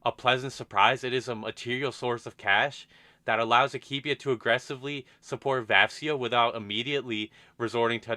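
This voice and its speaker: Male finance host, bright tone, dry close mic, unscripted analysis with frequent restarts. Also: medium pitch, no room sound. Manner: thoughtful, with frequent restarts and fillers. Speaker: investment channel host. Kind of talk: unscripted stock analysis monologue.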